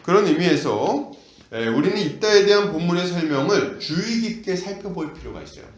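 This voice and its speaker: Animated male pastor preaching. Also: high voice, brisk, roomy sound. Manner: animated, asks the congregation questions. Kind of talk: expository sermon. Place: church.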